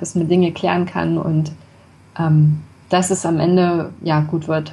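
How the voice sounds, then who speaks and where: A woman's voice comes through somewhat breathy. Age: 30s. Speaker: blogger and hypnobirthing coach. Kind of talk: interview. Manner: hesitant, many fillers.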